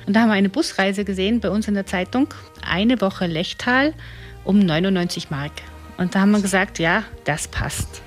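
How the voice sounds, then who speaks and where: Middle-aged woman from east germany, herbalist, lively storyteller, music faint in the back. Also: mid-range voice. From Saxony-Brandenburg border, eastern Germany. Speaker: herbalist and park ranger.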